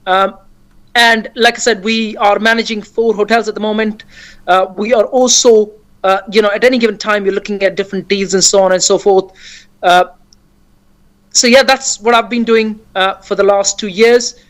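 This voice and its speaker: A man's voice: fairly even intonation, moderate pace, a bit bright. Upbeat male property investor, from Afghanistan. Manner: fluent, upbeat, business pitch. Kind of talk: casual interview.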